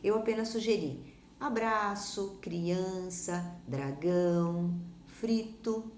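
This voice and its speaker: A woman teaching a primary school lesson, speaking Brazilian Portuguese in a patient way, stretching example words out slowly and checking that her pupils follow. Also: fairly low pitch. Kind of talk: recorded remote class lesson. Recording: echoey room with faint background noise.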